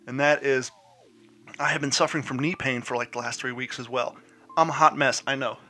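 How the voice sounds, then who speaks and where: A man's voice: medium pitch, steady tone, fairly quick, bright, forceful tone. A man hosting his own podcast, telling a rambling personal story in a chatty, self-deprecating way while stuffed up with a head cold. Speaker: podcast host. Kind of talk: casual solo podcast monologue. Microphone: podcast mic.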